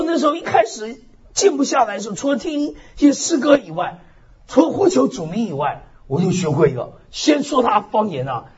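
A male pastor preaches with a high, lively voice that swoops up and down, punctuating his points with amen and hallelujah and dropping in the odd English word. The recording sounds slightly dull and lo-fi. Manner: animated preaching with frequent amens and hallelujahs; mixes English words into speech. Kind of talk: sermon.

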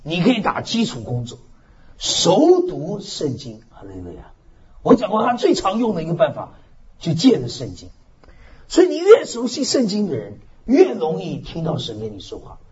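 A male pastor preaches with a high, lively voice that swoops up and down, punctuating his points with amen and hallelujah and dropping in the odd English word. The recording sounds slightly dull and lo-fi. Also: moderate pace, a crowd in the background. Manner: animated preaching with frequent amens and hallelujahs; mixes English words into speech. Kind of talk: sermon.

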